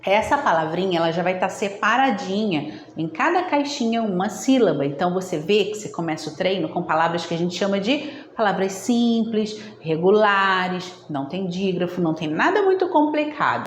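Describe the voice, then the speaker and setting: Teaching in a room that echoes, with a little background noise, a woman of medium pitch delivers a literacy lesson on video. She addresses her viewers directly in a didactic way, frequently adding "tá?".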